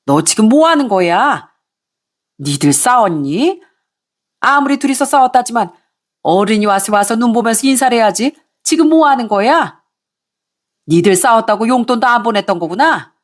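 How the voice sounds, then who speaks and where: A woman voicing an angry middle-aged mother-in-law who scolds and nags in a shrill voice. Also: animated. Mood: scolding. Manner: shrill, scolding, rapid nagging.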